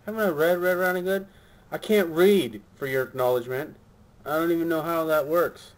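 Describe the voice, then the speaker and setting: A man voicing a sassy, deadpan young Red Riding Hood in an improvised puppet comedy skit. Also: fairly high pitch, a little fast, voice pushed up, lightly acted. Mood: irritated. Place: small room at home. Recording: noisy home camera audio.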